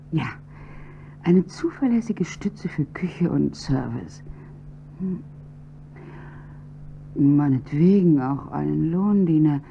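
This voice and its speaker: An actress playing a poised, wealthy wife in a radio crime play, polite on the phone and cold to an intruder. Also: female voice, sits low, creaky, heavily acted. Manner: poised, then sharp and commanding. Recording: dull lo-fi radio recording with faint hum.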